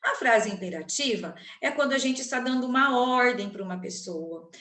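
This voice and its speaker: A Brazilian woman teaching a recorded grammar lesson, with a fairly high voice. She explains patiently and checks in with her pupils often. Her voice comes from some distance away in a roomy, echoing space. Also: expressive, sharp tone. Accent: Brazilian Portuguese. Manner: slow, clear explaining with frequent check-ins to pupils. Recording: echoey room from a distance.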